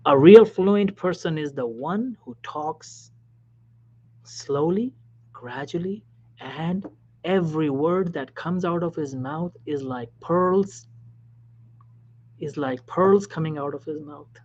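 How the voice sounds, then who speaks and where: A man, a physician, giving career advice in a motivational talk, emphatic and repetitive, dropping now and then to a soft whisper. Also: a little high, takes it slowly. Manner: emphatic, repeats key phrases, drops suddenly to soft whispers. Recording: dull lo-fi recording.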